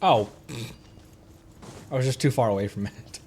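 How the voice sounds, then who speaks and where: A man streaming a game, chatting casually in a giggly, rambling, animated way. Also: medium pitch, normal speed, slight background noise. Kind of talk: casual chat while playing a game.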